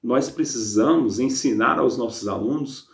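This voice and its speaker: A man giving a book review lesson, calmly explaining and reading passages aloud, often pausing with a filler sound. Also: mid-range voice, creaky. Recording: roomy echo.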